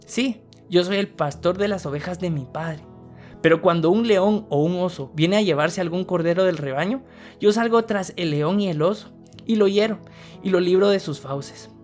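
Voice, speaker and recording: A woman's voice: on the low side, moderate pace, darkish tone, faint music behind. A woman with a Guatemalan Spanish accent gives a motivational sermon, speaking earnestly and directly to the listener with rhetorical questions. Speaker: preacher.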